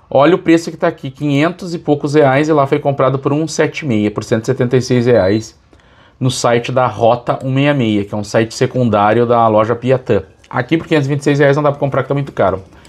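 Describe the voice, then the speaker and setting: A man's medium-pitched voice with a Brazilian accent. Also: ordinary pitch variation. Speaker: product reviewer and deal promoter.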